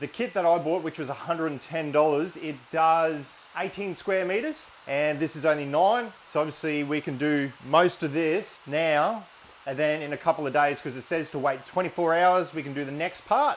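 A man talks at a moderate pace with ordinary pitch variation, light background noise behind him. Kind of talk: casual vlog chat. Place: workshop. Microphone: lapel.

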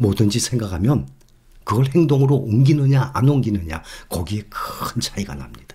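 With big swings in loudness, a man talks in a somewhat breathy, dark, mellow tone and lively intonation. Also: medium pitch for a man. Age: 60s. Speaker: YouTuber giving financial advice. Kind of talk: monologue lecture. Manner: deliberately slow.

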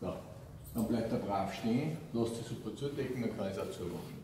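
Light background noise and audible room echo surround the voice. A man speaks with lively intonation. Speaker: horse trainer. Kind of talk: instructional talk to team while working. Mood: calm, soothing. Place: farm machine. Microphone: camera far.

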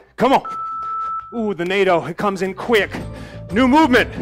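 A man talks over clear music in the background. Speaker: fitness instructor. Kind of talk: workout coaching cues. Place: home room.

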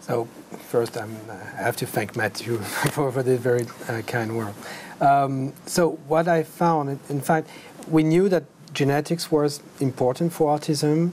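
Speaking in a French accent, a man goes at a fairly slow pace with long, frequent pauses and ordinary pitch variation over light background noise. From France. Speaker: genetics professor. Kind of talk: studio interview. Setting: studio. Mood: calm, explanatory, some smiles. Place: studio. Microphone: lapel.

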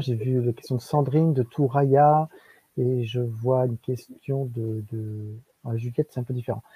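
At a fairly slow pace, a man speaks with a somewhat breathy, dark, mellow tone and ordinary pitch variation, the sound dry with no echo. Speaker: webinar host. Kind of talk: hosting a live online talk. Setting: video livestream. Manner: hesitant, repeats words. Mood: warm, friendly. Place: home room. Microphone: earbuds.

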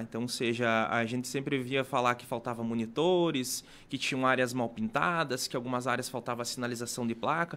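A man talking at a moderate pace. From Rio Grande do Sul, Carazinho; Rio Grande do Sul, Brazil. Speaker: parking company supervisor; guest. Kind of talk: radio interview. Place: studio. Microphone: studio mic.

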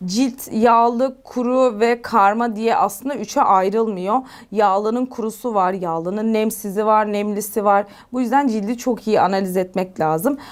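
Her pitch is fairly high and her intonation fairly even. The woman talks at a fairly slow pace. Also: very clean recording, silent background. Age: 30s. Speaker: beautician and permanent makeup trainer. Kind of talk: interview. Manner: hesitant with frequent fillers.

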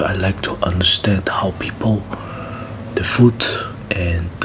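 Through noticeable background noise, a man with a very deep, low pitch speaks at a fairly slow pace in a monotone, flat intonation. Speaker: podcast guest or host. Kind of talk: casual conversation, telling anecdotes. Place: garden. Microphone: studio mic.

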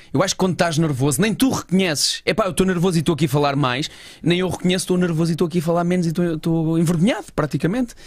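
The speech comes at a very fast pace with ordinary pitch variation and very even loudness. The background is quiet. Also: man. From Portugal. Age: 30s. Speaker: podcast host. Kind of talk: casual interview chat. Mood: reflective, candid. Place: studio. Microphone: studio mic.

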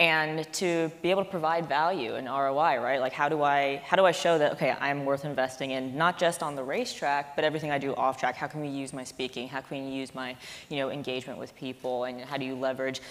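Her voice is very deep and low. The woman speaks very rapidly. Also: fairly even intonation. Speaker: guest. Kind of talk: interview answer. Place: stage.

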